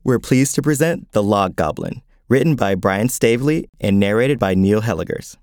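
A male podcast co-host chats between stories and presents the next one. His voice is on the low side, with a close, dry studio sound. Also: expressive, normal speed, a little mellow, no echo. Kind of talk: chatty scripted hosting.

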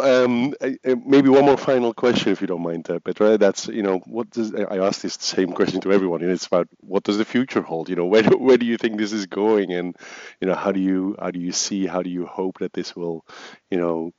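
A man's voice: low voice, a little fast, a little mellow, dry recording. A man, a native Flemish speaker, hosting a podcast and asking rambling questions with many repeated words. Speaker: podcast host. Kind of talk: casual interview questions. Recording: dry, dull lo-fi sound.

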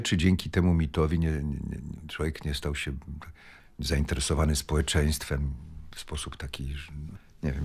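A man's voice: a bass voice, slightly rough. An older man, sixty or more, reflecting on his upbringing, hesitant and repeating his words. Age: 60s or older. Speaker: interviewee, former scout. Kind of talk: reflective reminiscence.

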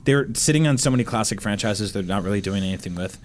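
A man chatting casually on a video game podcast in an animated, emphatic way. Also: lowish voice, fast talker, a little hiss or hum. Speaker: podcast panelist. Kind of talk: casual chat about video games.

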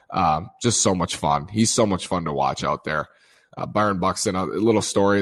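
A man with a strained, hoarse voice giving a casual, rambling recap of a baseball game, with lots of fillers and restarts. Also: sits low. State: strained voice from screaming. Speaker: sports commentator.

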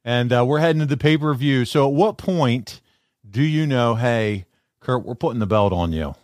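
A male podcast host chatting casually at a medium pitch. The sound is close and dry. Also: lively intonation, normal speed, no echo.

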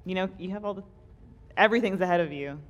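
A woman's voice: on the low side, fast talker, a little hiss or hum. Chatty woman in her thirties. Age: 30s. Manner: chatty, self-deprecating, many "like" fillers. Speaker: podcast co-host. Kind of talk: casual chat before a live audience.

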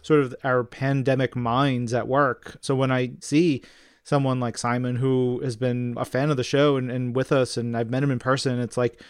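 A man's voice: mid-range voice, level tone, moderate pace, clean tone, no echo, studio quality. A man co-hosting a podcast, chatting informally and enthusiastically and reading out listener mail. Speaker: podcast co-host.

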